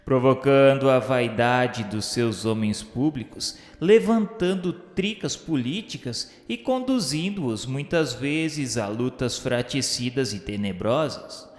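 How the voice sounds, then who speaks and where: A man's voice: mid-range voice, animated, slow, few pauses. A man with a Brazilian accent reading scripted, literary radio narration in a solemn, grandiloquent, formal manner. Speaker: narrator of a religious radio novela. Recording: echoey hall-like reverb, music underneath. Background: music.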